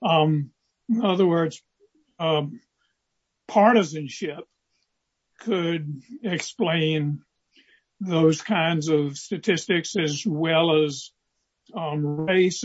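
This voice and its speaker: A man with a high-pitched voice presides over a court hearing. He speaks formally from the bench, halting as he probes. The audio is a little lo-fi. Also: husky. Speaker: presiding appellate judge.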